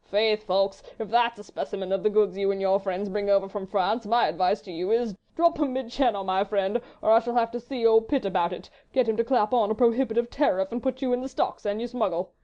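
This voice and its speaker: A lazily jovial English baronet from a storybook, all affected drawl and hearty bluster, played by a woman reader. He booms his lines with an old-fashioned swagger. The recording sounds a touch dull. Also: a little fast, few pauses, warm tone, close to an everyday voice. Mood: bantering.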